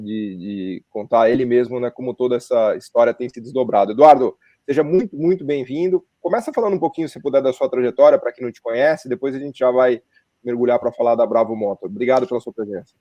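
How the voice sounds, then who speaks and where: A man's voice: medium pitch, dark tone, dry recording. Podcast host man with dull lo-fi sound. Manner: conversational, often adds tag questions. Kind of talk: podcast interview.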